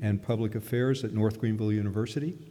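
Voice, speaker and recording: Speaking fairly quickly, a man has a dark, mellow tone. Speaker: church member introducing the interim pastor. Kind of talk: introduction. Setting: church.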